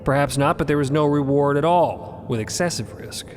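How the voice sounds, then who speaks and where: A man's voice: fairly high pitch, normal speed, slight background noise, lightly acted. A man voicing a stern, cautious female ship's doctor in an audio drama, arguing in precise, formal terms. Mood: skeptical, exasperated.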